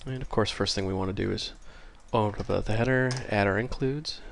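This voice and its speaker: In this screen-recorded coding tutorial, a man with a fairly low, brisk voice and some vocal fry hosts a programming lesson over slight background noise. He's casual and apologetic, correcting himself as he goes, and sounds a bit stuffy after a cold.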